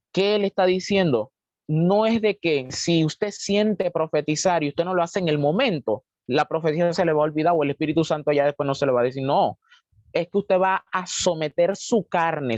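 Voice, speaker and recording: A man's voice: fairly high pitch, a little mellow, no echo. A man leading a Bible study over a video call, preaching with frequent amens and calls of brother. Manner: preachy, punctuates with amen and brother. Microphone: video call mic. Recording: dull, dry video call audio.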